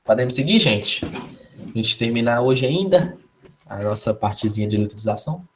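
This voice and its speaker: A man's voice: medium pitch, animated, moderate pace, fairly bright tone, slight background noise. A man with a Brazilian Portuguese accent teaching a live online physics class, casual and constantly checking in with his students.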